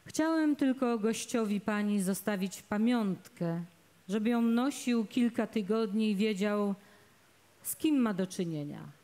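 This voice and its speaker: Brief: woman reading a jealous fiancé, slow and sneering, darkish tone. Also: mid-range voice, animated, warm tone, lightly acted. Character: jealous young male fiancé, sneering and spiteful.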